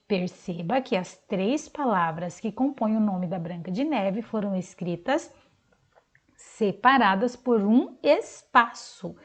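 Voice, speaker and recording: A Brazilian woman teaching a recorded video lesson to young children, speaking slowly in a sing-song teacher manner and clapping out syllables. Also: mid-range voice, lively intonation. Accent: Brazilian Portuguese.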